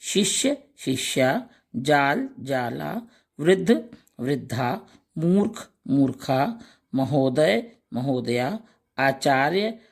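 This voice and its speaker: A man teaching a grammar lesson, slowly reciting pairs of words one by one and adding short explanations. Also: medium pitch, creaky. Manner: slow, deliberate recitation of word lists with brief explanations.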